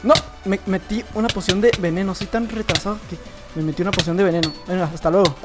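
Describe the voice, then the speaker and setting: A man's voice: high voice, fairly even intonation, quick pace, over loud music. A young man giving casual, playful commentary over his own gameplay, teasing opponents as he goes. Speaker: gaming youtuber.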